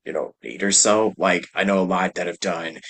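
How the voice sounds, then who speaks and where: A man's voice: low voice, fairly even intonation, moderate pace, fairly bright tone, husky. A man hosting a podcast, chatting casually in a loose, rambling way and laughing easily. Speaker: podcast host. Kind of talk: casual chat.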